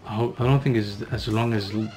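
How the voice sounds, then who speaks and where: A young man in his twenties recording a self-study language vlog in a small room, halting and correcting himself as he drills phrases. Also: on the low side, steady tone, background noise. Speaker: language learner vlogger. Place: small room with curtain backdrop.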